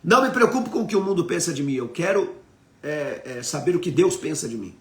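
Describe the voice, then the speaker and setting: A man's voice: a little high, very animated, fairly quick, a bit bright, echoey room. A man with a Brazilian Portuguese accent preaching on a live stream. He teaches emphatically, asks the audience questions and reads out viewer comments.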